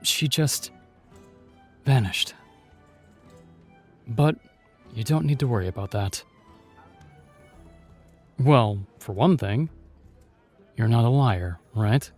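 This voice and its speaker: Man playing an expressive, gallant knight. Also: mid-range voice, slow pace, long pauses, soft background music. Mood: reassuring. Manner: earnest, courtly, commanding. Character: gallant, protective male knight commander in fantasy. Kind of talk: fantasy audio drama acting.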